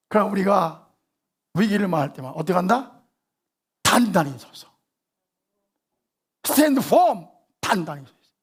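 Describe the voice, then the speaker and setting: Husky-voiced Korean pastor preaching with emphasis. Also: male voice, high-pitched. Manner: call-and-response preaching, quizzing the congregation; swings between loud emphatic lines and hushed whispers. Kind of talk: sermon.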